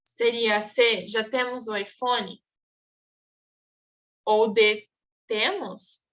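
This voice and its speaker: A woman's voice: fairly high pitch, steady tone, slow, fairly bright tone. Brazilian Portuguese teacher woman, explaining. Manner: explanatory, checks in with "tá bom?". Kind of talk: online exam review class.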